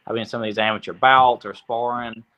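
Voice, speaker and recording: Young boxer, bright voice, muffled audio. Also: male voice, mid-range voice, flat delivery, fast talker. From Tennessee. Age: young adult. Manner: easygoing, lots of fillers. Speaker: boxer, guest. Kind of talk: casual interview answers.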